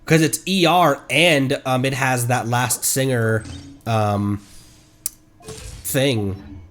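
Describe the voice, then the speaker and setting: A man's voice: mid-range voice, steady tone, extremely slow, a bit bright. A man livestreaming a video game, chatting casually and thinking aloud in a rambling way as he plays. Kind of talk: casual gameplay stream commentary.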